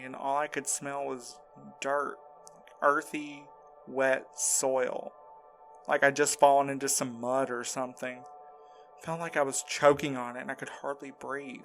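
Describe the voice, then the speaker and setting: Casting: male actor for shaken, earnest man in an audio drama, mid-range voice, halting and defensive delivery, music underneath. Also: mid-range voice, a bit bright. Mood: shaken, recollecting. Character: shaken, insistent man recounting a frightening ordeal. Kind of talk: audio drama acting, first-person recounting.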